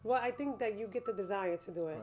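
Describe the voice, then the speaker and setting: A woman with a low-toned voice, a gospel singer being interviewed, speaking thoughtfully with many pauses and restarts. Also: warm tone, faint music behind. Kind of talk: casual interview talk. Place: day spa.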